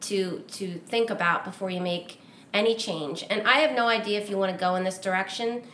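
A woman's voice: medium pitch, fairly quick, fairly bright tone. Thoughtful woman co-host in an echoey room. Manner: thoughtful, laughs easily. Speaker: podcast co-host. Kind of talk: casual chat. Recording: echoey room, faint hiss.

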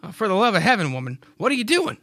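A proud, stubborn farmer husband who speaks in a raised, gruff voice with a brogue that keeps slipping, as a man acts him out. Dry and close, with no room sound. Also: sits high, big pitch swings, rapid-fire, a bit bright, no room sound, pitched above the performer's own voice, exaggerated voice. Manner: raised, gruff put-on voice with a wobbly attempted brogue.

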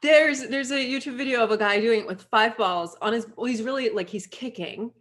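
A woman's voice: a little high, fairly quick, a bit bright. A woman hosting a podcast, chatting casually with her guest and laughing as she talks. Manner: friendly, laughs while talking. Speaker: podcast host. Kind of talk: casual interview chat.

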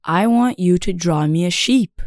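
A man voicing a small golden-haired boy who asks gently and keeps insisting, in a storybook reading. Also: high-pitched, a little slow, no room sound, clean studio sound, pitched above the performer's own voice. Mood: pleading. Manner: gentle, persistent requests.

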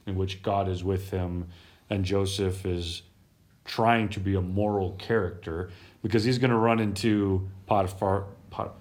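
A man's voice: low voice, steady tone, a little slow, darkish tone. A man hosting a casual podcast about the Bible. He talks in a chatty way, laughs easily and stumbles over names while reading. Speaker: podcast host.

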